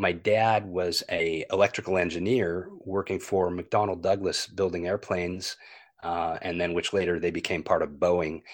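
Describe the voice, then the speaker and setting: A very deep, low male voice in an American accent, monotone and flat, at a moderate pace. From US West Coast (Long Beach, California). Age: 50s. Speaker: YouTube whistler. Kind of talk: casual chat.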